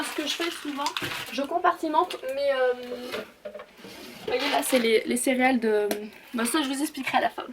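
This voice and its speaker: High-voiced chatty woman in an echoey home. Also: noisy background. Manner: chatty, halting with many fillers. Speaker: vlogger. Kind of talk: casual haul vlog. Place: home kitchen and garage.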